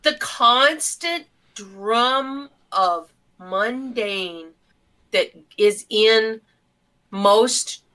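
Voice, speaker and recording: A woman's voice: fairly high pitch, extremely slow, bright, forceful tone. A woman co-hosting a casual podcast chat, speaking bluntly and emphatically. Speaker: podcast co-host.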